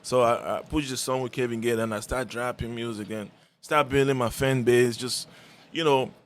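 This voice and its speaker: A man's voice: mid-range voice, steady tone, normal speed, a little hiss or hum. A man from Cameroon, a musician guest talking in a friendly, rambling way with many fillers. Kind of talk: casual radio interview. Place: radio studio.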